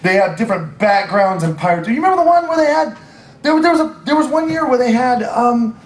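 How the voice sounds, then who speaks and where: High-voiced man telling stories in an echoey hall. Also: fast talker. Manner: animated, mimics voices in quoted dialogue. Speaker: convention panel host. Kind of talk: comedic storytelling to a live audience. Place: convention panel room. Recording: echoey room with faint ambience.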